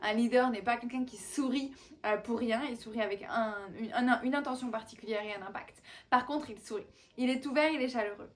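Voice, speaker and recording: Talking at a fairly quick pace, a woman uses a high voice with ordinary pitch variation and big swings in loudness. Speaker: coach for women entrepreneurs. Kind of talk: tutorial. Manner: calm, measured.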